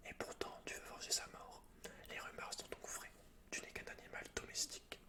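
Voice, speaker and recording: A man voicing a sly, taunting golden-furred beast from a fantasy story in a breathy whisper. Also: moderate pace, natural voice. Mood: accusing, defiant. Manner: taunting, probing.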